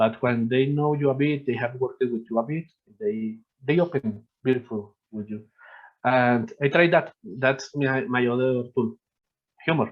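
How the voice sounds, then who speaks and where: This man speaks with a Spanish accent. His pitch sits in the medium range. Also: ordinary pitch variation, moderate pace. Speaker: artist and workshop teacher. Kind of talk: video call art talk. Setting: video call. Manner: hesitant, with repetitions and filler sounds.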